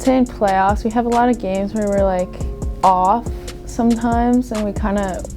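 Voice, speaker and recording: A woman's voice: medium pitch, steady tone, moderate pace, faint music behind. Chatty teenage girl anchoring school news. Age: teens. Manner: casual, chatty, filler-heavy. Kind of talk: scripted school news banter.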